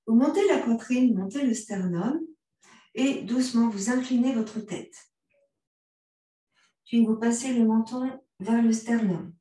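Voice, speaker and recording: A woman with a French accent, gently guiding a yoga class with calm cues. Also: on the high side, a little slow, long pauses. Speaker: yoga instructor. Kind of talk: guided yoga class instruction. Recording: very echoey room, voice from a distance.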